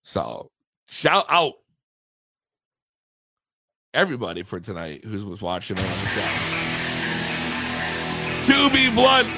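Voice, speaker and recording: Hoarse, hyped podcast host man. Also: on the low side, huge pitch swings, slow, long pauses, dry recording, faint music behind. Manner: hyped, loud, slangy. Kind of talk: energetic show sign-off with shout-outs.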